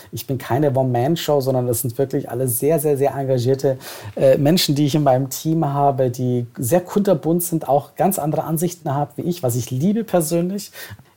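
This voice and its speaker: A man speaks at a moderate pace, his pitch fairly high. His voice is somewhat breathy with ordinary pitch variation. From Bavaria, Germany. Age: 40s. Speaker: entrepreneur, event organizer. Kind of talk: interview.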